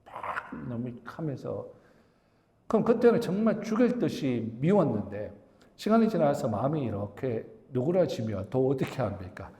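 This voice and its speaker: A man's voice: medium pitch, sing-song, moderate pace, warm tone. A middle-aged man preaching a sermon to his congregation, talking to them directly and acting out the complaints of Bible figures. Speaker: pastor. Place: church sanctuary. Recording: echoey church hall with long reverb.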